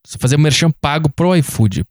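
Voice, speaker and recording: A man co-hosting a casual comedy podcast, riffing with quick sarcastic jokes. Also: on the high side, animated, no echo. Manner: quick, joking, sarcastic riffs. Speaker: podcast co-host.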